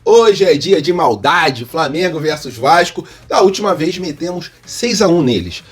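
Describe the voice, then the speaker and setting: A man with a Brazilian accent and husky voice, hosting informal football news as a partisan fan who addresses viewers directly. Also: a little high, expressive, measured pace, soft background music. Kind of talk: informal sports news commentary.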